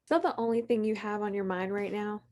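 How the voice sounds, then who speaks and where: A woman's voice: mid-range voice, fairly even intonation, fast talker, a little mellow, natural voice. A woman playing a cheeky, teasing rebel at a screenplay table read.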